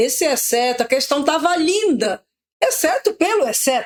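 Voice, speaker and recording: Her intonation is lively. This woman talks at a moderate pace. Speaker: exam prep teacher. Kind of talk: exam prep tutorial. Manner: animated.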